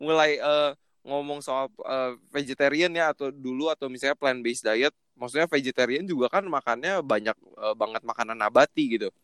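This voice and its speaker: A man hosting a podcast, asking relaxed questions and encouraging his guest with short replies. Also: medium pitch, moderate pace, smooth, no room sound. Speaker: podcast host. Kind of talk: casual interview questions.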